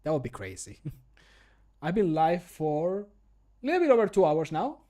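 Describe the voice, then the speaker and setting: A man's voice: on the high side, big pitch swings, moderate pace, warm tone. A man in his thirties chatting casually and jokily on a livestream while he works, close to the microphone, sometimes muttering to himself and swearing. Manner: jokey, muttering to himself, profane. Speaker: streamer and game modder. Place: home desk setup indoors. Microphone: close desk microphone.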